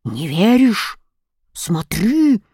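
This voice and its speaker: A woman voicing a grumpy, threatening white bear that roars its demands slowly and loudly in an audiobook story. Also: medium pitch, big pitch swings, slightly rough, no echo, studio quality, heavily acted. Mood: roaring. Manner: loud, slow growling.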